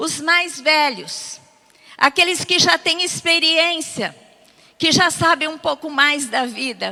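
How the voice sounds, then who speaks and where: Over noticeable background noise, a woman talks at a very slow pace in a high-pitched, raised and projected voice. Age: 60s. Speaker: pastor. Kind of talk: sermon. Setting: church with congregation.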